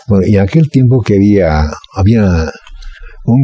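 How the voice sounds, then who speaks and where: A man talks in a dark, mellow tone that is somewhat breathy. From Bolivia, Cochabamba. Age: 70s. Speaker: journalist. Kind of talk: interview. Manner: halting.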